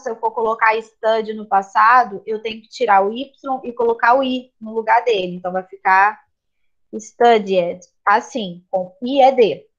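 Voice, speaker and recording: Patient Brazilian woman teaching. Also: a little high. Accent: Brazilian Portuguese. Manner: patient, explanatory, checks in with students. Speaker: English teacher. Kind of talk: online class explanation. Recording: slightly dull lo-fi audio.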